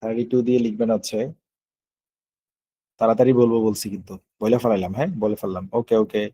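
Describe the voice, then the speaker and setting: A man's voice: fairly low pitch, steady tone, fast talker, warm tone, no room sound. A man running a live online spelling quiz, counting down and spelling words out letter by letter. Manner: patient, explanatory. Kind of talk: live online class, calling on students.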